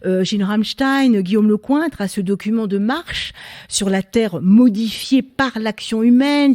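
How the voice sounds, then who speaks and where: Woman debate moderator, warm dark tone, hesitant with fillers. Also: on the high side. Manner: presenting with frequent fillers. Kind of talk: moderating a public science debate. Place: French national library event.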